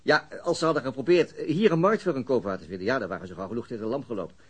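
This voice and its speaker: A man with a mid-range, slightly rough voice plays a weary, middle-aged police detective in a radio drama, delivering his lines expressively and in rapid-fire fashion. His tone is matter-of-fact as he explains things methodically, with small hesitations.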